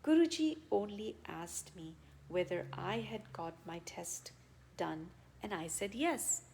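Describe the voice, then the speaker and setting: A woman reading a written devotional account aloud as narration, in measured phrases with frequent pauses. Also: mid-range voice, animated, gravelly, darkish tone, slight background noise. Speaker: reader of devotional testimonials.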